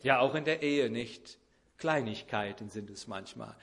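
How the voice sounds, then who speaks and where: A man's voice: medium pitch, unhurried, vocal fry. A man preaching a sermon who illustrates his point with an everyday story and acts out the people in it.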